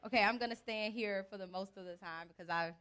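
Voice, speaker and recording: A woman's voice: mid-range voice, fast talker, bright, forceful tone, smooth. A young adult woman with an American accent, giving an informal, chatty presentation as a teacher coach, speaking into a handheld mic. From United States (Birmingham, Alabama and Cleveland, Ohio). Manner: chatty, casual, colloquial. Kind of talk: informal presentation to a live audience. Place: outdoors under a large event tent. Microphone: handheld mic through PA speakers.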